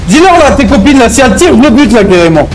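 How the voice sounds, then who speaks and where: A man's voice: very high voice, very animated, racing, music in the background, poor audio. A man streaming online game roleplay in character, brash and slangy, swearing often and repeating a verbal tic. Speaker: streamer playing a GTA roleplay gang member. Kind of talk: in-character gaming roleplay chat.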